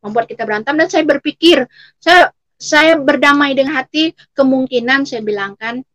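A middle-aged woman from Riau in Indonesia gives an emotional personal testimony in a fairly high voice. She circles back and repeats her phrases as she tells it. The sound is dry, with no room echo. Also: moderate pace, fairly bright tone. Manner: repeats phrases over and over while telling her story. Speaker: guest giving a personal testimony.

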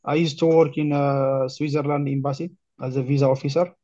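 A young man with an Ethiopian accent talking casually and haltingly about himself, often repeating his words. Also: medium pitch, little pitch movement, dark tone. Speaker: career guidance client, refugee newcomer. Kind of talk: casual conversation, introducing himself. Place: remote online call. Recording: muffled lo-fi online call.

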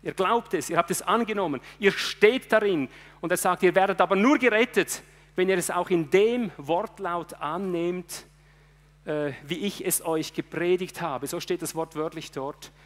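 A man preaching a sermon with passion, swinging between loud outbursts and hushed asides. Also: sits high, moderate pace. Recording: long hall reverb.

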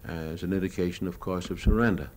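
A man's voice: low voice, steady tone, quick pace. An American man narrating his own war footage off the cuff as a cameraman, matter-of-fact and hesitant as he reminisces. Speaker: newsreel cameraman. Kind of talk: unscripted narration of his own home movies. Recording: noisy old live talk recording.

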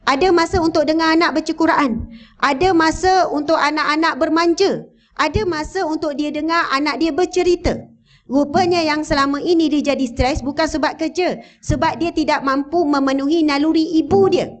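Malaysian malay lady preaching in a mosque, high voice, keeps asking the crowd stuff. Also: normal speed. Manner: animated, addresses the audience with questions. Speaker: religious teacher. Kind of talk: religious talk to a mosque audience. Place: mosque hall, indoors. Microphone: handheld or lapel microphone, standing.

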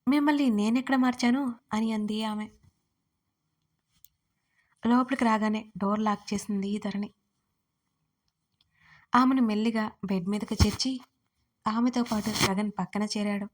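A woman narrating a romance story she wrote, reading in a steady storytelling manner. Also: mid-range voice, measured pace, long pauses. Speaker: narrator and writer.

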